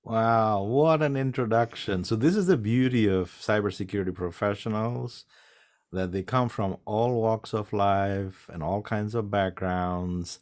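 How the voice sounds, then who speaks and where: A man's voice: fairly low pitch, unhurried, darkish tone. A man hosting an interview show over a video call, welcoming guests with enthusiastic introductions. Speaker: host.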